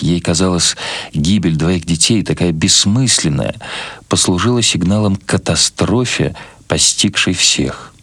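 A man reading literary prose as a scripted narration, in a measured, expressive storytelling manner. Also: low voice, dry recording. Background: music.

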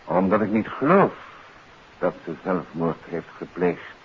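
An actor playing a composed, inquisitive gentleman detective in a 1950s Dutch radio drama, polite but firm. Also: sits low, big pitch swings, a little slow, full character voice. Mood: grave, decisive. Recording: muffled, noisy 1959 radio recording.

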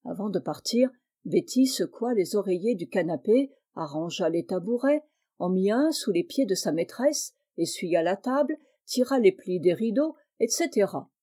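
Mellow woman reading a storybook. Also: mid-range voice, animated. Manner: clear, measured storytelling. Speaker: audiobook reader. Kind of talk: scripted narration of a classic children's novel.

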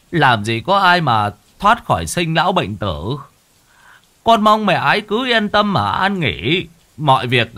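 A man's voice: fairly high pitch, bright, forceful tone, pitched above the performer's own voice, heavily acted. A greedy middle-aged son whimpers and pleads with put-on tears, as a male storyteller acts him out. His voice rises and wavers, hollow and insincere, in a folk horror tale. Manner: whimpering, false tearful pleading.

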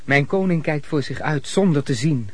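An actor playing a deferential, gentle royal servant who advises in a respectful, lyrical manner in a radio play. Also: male voice, fairly high pitch, lively intonation, normal speed, breathy edge, no echo.

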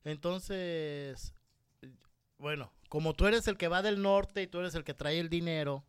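A man's voice: on the high side, a little slow, clean tone, dry recording, studio quality. A man from Mexico with a Mexican accent, casually telling a personal story and acting out the voices in it. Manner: lively anecdotal, acts out quoted voices.

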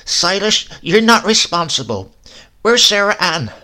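A man's voice: high-pitched, very animated, a little slow, pushed and bright, pitched above the performer's own voice, exaggerated voice. A man reading a storybook aloud and voicing a tart, bossy old grandmother who shrills and scolds. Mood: scolding.

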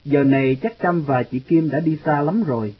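A man narrating a first-person story in a lively storytelling manner. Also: fairly high pitch, moderate pace, breathy edge. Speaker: audiobook narrator. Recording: dull lo-fi audio, faint music.

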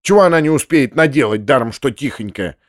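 A man voicing a hot-tempered, grumbling landowner who snaps with gruff sarcasm. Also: mid-range voice, animated, fairly quick, dry recording, studio quality, lightly acted.

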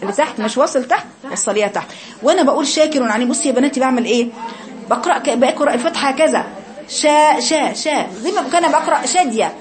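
Egyptian woman, recitation teacher in a classroom, high-pitched, corrects students, models slow chanted syllables. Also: animated, crowd noise. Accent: Egyptian Arabic. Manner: corrective, repeatedly demonstrating drawn-out chanted syllables.

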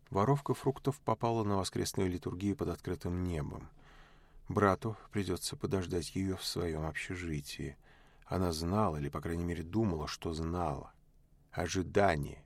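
A man reads literary prose in a measured, unhurried way. His voice is very deep, with a gravelly edge. The sound is dry and close, with no room around it. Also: dry recording. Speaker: audiobook narrator. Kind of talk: literary audiobook narration.

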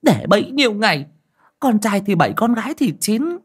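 A woman's voice: big pitch swings, measured pace, slightly rough, heavily acted. A woman voicing a harsh, superstitious older village aunt who berates her kin. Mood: shrill scolding. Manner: shrill, berating, superstitious scolding. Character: harsh scolding older woman, clan head's wife.

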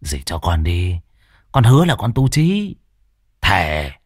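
A man voicing a coarse, swaggering young village thief who speaks low and gruff. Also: huge pitch swings, slow pace, dry recording, studio quality, exaggerated voice. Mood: wheedling.

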